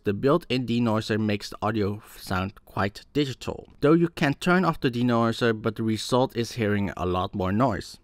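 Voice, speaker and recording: A man's voice: mid-range voice, dry recording. A man reading a scripted product review as a voice-over narration.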